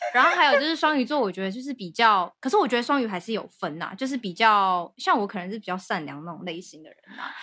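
A woman with a fairly high pitch and bright, sharp tone races along at a very fast pace, with hardly any pauses and very wide pitch swings. The recording is very clean, with a silent background. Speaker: podcast co-host. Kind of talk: casual chat.

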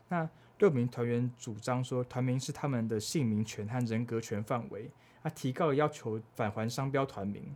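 A man speaks at medium pitch and a moderate pace. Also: ordinary pitch variation. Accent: Taiwanese. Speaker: radio host. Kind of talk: casual chat.

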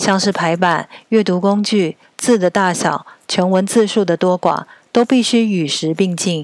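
At a fairly slow pace, a woman with a Taiwanese accent speaks at a medium pitch, the sound dry and close with no echo. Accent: Taiwanese Mandarin. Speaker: podcast host and travel lecturer. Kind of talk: scripted book review monologue.

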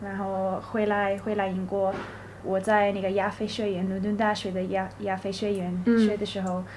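Audible room echo surrounds a woman at medium pitch. She talks at a moderate pace in a flat monotone. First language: English (speaking Chinese). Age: 20s. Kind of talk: interview. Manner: halting.

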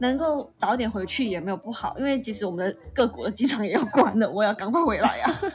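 A woman's very fast, fairly high-pitched talk with lively intonation and hardly any pauses, over noticeable background noise. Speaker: podcast co-host, makeup artist. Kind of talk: casual chat.

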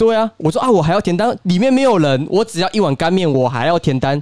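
The man speaks at a very fast pace with very wide pitch swings. His voice is recorded dry and close, with no echo. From Tainan, Taiwan. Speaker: podcast host. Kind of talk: casual chat.

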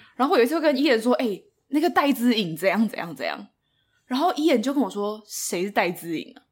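Very fast speech from a woman, high-pitched, with very wide pitch swings. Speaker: podcast co-host, travel writer. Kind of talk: casual chat.

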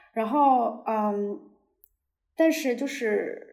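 A woman's dark, mellow, somewhat breathy voice with audible room echo. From northern China. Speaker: journalist and researcher. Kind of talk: interview. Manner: halting, many fillers.

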